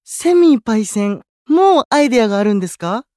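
A friendly young idol, lively intonation. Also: male voice, very high voice, fast, no echo, studio quality. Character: amiable, polite young male idol junior. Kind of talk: Japanese anime-style audio drama acting.

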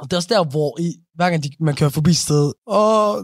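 A man's voice: a little high, no room sound, studio quality. A young man in casual podcast chat, bantering in a laid-back, slangy way and mixing in English phrases.

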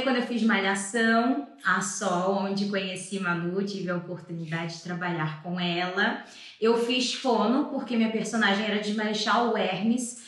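A woman in her twenties from São Paulo, a guest actress chatting lively in a talk show interview. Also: mid-range voice, very echoey. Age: 20s.

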